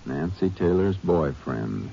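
An actor playing a stern Texas Ranger who narrates and questions firmly, in 1950s radio drama style. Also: male voice, low-pitched, expressive, takes it slowly, gravelly, over loud music, full character voice. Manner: firm, clipped questioning. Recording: dull old radio broadcast.

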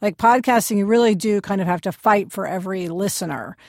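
A woman's voice: medium pitch, brisk, dry recording. Woman co-hosting a podcast, dry sound. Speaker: podcast co-host. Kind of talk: casual interview chat.

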